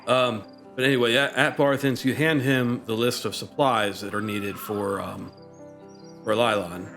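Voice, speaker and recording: A man's voice: fairly low pitch, steady tone, unhurried, a bit bright, soft background music. Hesitant male game master. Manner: hesitant, many ums and uhs. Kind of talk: narrating a tabletop game.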